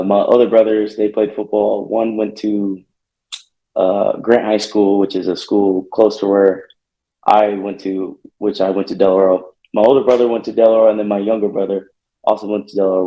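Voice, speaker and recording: A young man from Northern California, a college football player answering interview questions, soft-spoken and hesitant with many fillers. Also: on the low side, little pitch movement, normal speed. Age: young adult. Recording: echoey, muffled remote call line.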